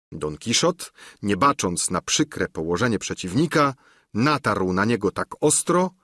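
A man narrating a classic novel with expressive storytelling. His voice has a husky grain and moves lively through its pitch. The audiobook recording is dry and close. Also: no room sound. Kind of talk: scripted narration.

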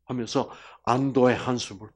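A man giving a sermon-style health lecture, swinging from loud emphasis to hushed whispers and joking as he goes. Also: medium pitch, fairly even intonation. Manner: slow, drawn-out emphasis.

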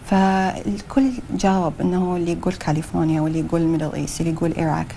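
Brief: young woman, Iraqi accent, TV studio guest, mellow tone, quick but hesitant with fillers. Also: on the low side, flat delivery, vocal fry, slight background noise. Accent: Iraqi Arabic. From Iraq. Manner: hesitant, many fillers, mixes in English phrases. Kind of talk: TV studio interview.

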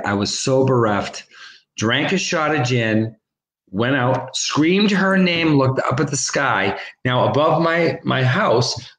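A man's voice: mid-range voice, a bit bright. A man co-hosting a charity livestream from home over a video call, chatting and calling auction bids over and over. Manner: chatty, rapid repetitive bid calling. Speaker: co-host, charity auction caller. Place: home room. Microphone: webcam on a video call. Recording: roomy echo.

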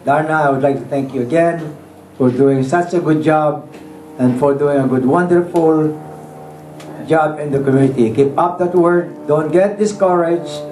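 A man's voice: a little high, moderate pace. A man with a Filipino accent giving a speech at a community party, mixing Tagalog into his English and speaking into a handheld microphone. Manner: mixes Tagalog into English, warm earnest address. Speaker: event speaker. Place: crowded living room at a party. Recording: roomy, crowd noise behind.

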